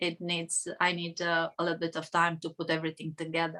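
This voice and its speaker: A woman with a Romanian accent speaks in a fairly low pitch, her tone bright and sharp. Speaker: hypnotherapist and teacher. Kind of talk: interview. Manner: halting.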